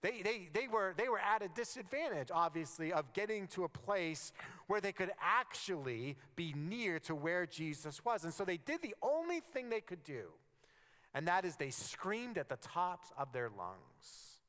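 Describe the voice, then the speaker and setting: A man preaching a sermon as pastor, conversational and animated, sometimes dropping to a near-whisper for emphasis. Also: high-pitched, moderate pace. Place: church sanctuary. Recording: long reverb of a church hall.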